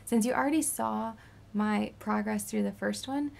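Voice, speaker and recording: Brief: worn-out twenties woman, heavy vocal fry, raspy sore throat, rambling vlog update. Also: mid-range voice, moderate pace. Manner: rambling, drifting into soft whispers. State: tired and sore after surgery. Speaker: beauty vlogger. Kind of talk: casual post-surgery update vlog.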